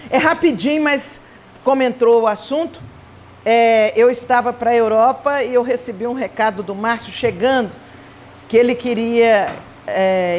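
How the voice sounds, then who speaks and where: A Brazilian woman giving a Spiritist conference talk, telling personal stories in an animated, chatty way with playful asides. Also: a little high, a little hiss or hum. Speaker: Spiritist speaker. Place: event hall.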